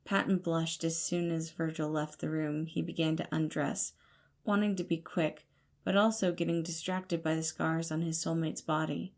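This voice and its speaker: A woman narrates scripted fiction in a storytelling style. Her voice sits a little below average for a woman and carries a clear creak. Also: low-pitched, fairly even intonation, normal speed, a little mellow. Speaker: podfic narrator.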